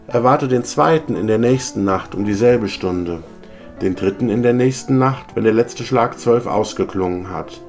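A man voicing the tormented, chained ghost of an old business partner, speaking gravely and lamenting. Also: fairly low pitch, moderate pace, darkish tone, soft background music, close to an everyday voice. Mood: mournful.

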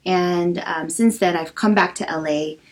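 A woman from Los Angeles in her early thirties speaks in a casual interview, her voice sitting slightly low. She talks haltingly, filling pauses with ums as she thinks aloud. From Los Angeles, USA. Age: early 30s. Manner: soft, hesitant, many pauses and ums. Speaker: podcast guest.

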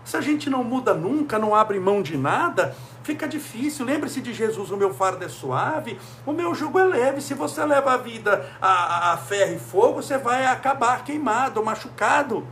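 A man's voice: extremely high pitch, sing-song, normal speed, few pauses, a bit bright, slight background noise. A man from Brazil giving a motivational talk, full of emphatic rhetorical questions. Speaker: speaker.

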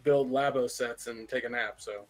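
A man's voice: medium pitch, steady tone, normal speed, rough recording. A man casually laying out the recording plan step by step on a voice call. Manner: organizing, explains plans step by step. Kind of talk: casual chat.

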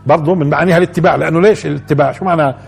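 Husky-voiced man teaching religion. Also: on the high side, rapid-fire, faint music behind. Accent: Levantine Arabic. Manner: explains by repeating phrases and asking the audience questions. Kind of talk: Quran commentary lesson.

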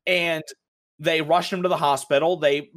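A man's voice: on the high side, steady tone, normal speed, fairly bright tone. Rambling young man telling a game story. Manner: rambling storytelling with many fillers and swearing. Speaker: podcast co-host, game master. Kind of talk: casual chat about tabletop games.

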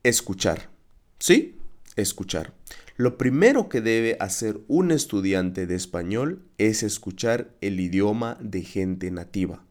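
A man hosting a podcast lesson as a Spanish teacher, speaking in a clear, encouraging, teacherly way. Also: on the low side, lively intonation, a little slow, hardly any pauses, darkish tone.

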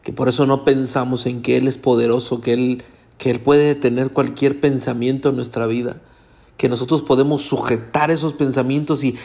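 A man's voice: mid-range voice, creaky, a little mellow. Hispanic man preaching a sermon. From Latin America. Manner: earnest, direct address to congregation. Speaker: pastor.

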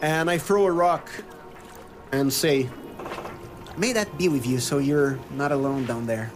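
Slow, higher-voiced man telling a game story. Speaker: player in a tabletop role-playing game. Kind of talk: improvised in-character storytelling. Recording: clear background noise.

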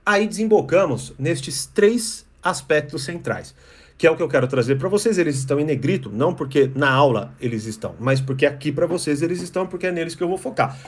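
A man's voice: fairly high pitch, expressive, fairly quick. A man teaching an online course, talking in loose, restless bursts and often checking in with "né?" and "percebe?". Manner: acts out short sneering quotes of other people. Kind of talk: explanatory talk to camera.

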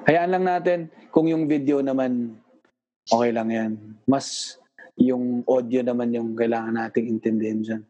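A man's voice: mid-range voice, fairly even intonation, unhurried, mellow, lo-fi sound. A man hosting a casual interview over a video call, joking and teasing his guest in an easygoing way. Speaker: podcast host.

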